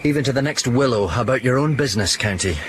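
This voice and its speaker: An actor playing a witty, mocking young soldier in a Shakespeare radio play, talking in an animated, theatrical way. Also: male voice, mid-range voice, fast, background noise, lightly acted. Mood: teasing.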